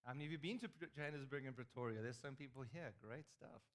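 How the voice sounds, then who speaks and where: Man, South African accent, forties, guest preacher, lively storytelling, joking asides, church stage. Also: mid-range voice, fast. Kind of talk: storytelling sermon. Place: large stage in a church hall.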